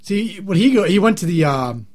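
Hoarse, lively-voiced man joking around. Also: sits high, moderate pace. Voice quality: scratchy throat, clearing it often. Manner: rambling, joking. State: sick, slightly hoarse. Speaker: podcast co-host. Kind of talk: casual chat.

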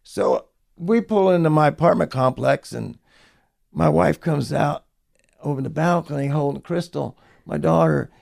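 Middle-aged songwriter, gravelly, animated storyteller acting out quotes. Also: male voice, fairly high pitch, unhurried. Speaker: songwriter guest. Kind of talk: storytelling interview.

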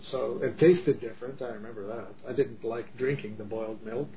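A man's voice: mid-range voice, fairly quick, a crowd in the background. A middle-aged man from the Czech Republic, talking in an earnest, emphatic way with many restarts in a casual discussion. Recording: dull lo-fi audio with faint noise.

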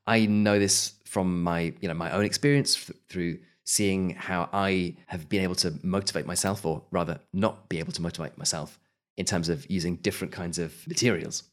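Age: adult. Sex: man. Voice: very low. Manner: measured, thoughtful podcast guest. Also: fairly even intonation. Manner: measured, thoughtful, with hedges and restarts. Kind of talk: remote podcast interview.

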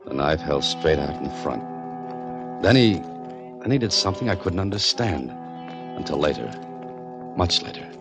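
An actor playing a wisecracking detective who also narrates, in a dry hard-boiled way, in an old radio drama. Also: male voice, very deep voice, expressive, moderate pace, pauses often. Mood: narrating. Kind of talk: 1940s radio drama acting. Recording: dull lo-fi old radio with faint music.

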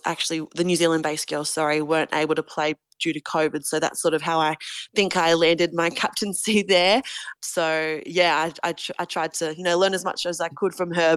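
Woman in her twenties, interview guest: low-pitched, smooth, earnest and thoughtful, dry close sound. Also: no room sound. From Australia. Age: 20s. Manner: earnest, reflective, thinks aloud. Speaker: guest, rugby league captain. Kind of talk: casual interview answers.

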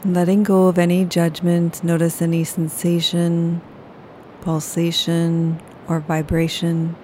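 A woman leading a guided yoga nidra meditation, speaking slowly and soothingly. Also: on the low side, monotone, dark tone, slight background noise. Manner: slow, soothing, unhurried.

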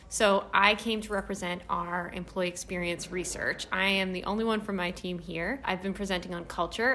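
An enthusiastic woman researcher describes her work in an upbeat, friendly tone. Her voice sits at a middle pitch. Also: a bit bright. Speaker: research analyst. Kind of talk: conference interview answer.

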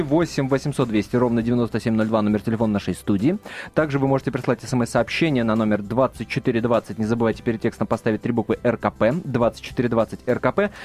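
A man's voice: medium pitch, a little mellow. A man hosting a radio talk show, taking calls and questioning his studio guests, with frequent hesitations and fillers.

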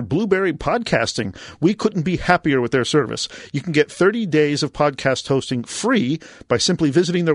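A man co-hosting a tech radio talk show, reading news items in a steady, even way. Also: on the high side. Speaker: co-host.

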